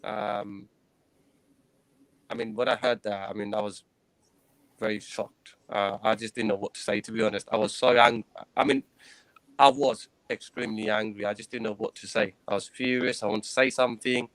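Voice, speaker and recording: A man in his thirties, a guest in an interview, recounting his own experiences in an earnest, hesitant way, pausing and restarting often. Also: on the low side, steady tone, a bit bright, no room sound, poor audio. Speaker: guest, former professional cricketer.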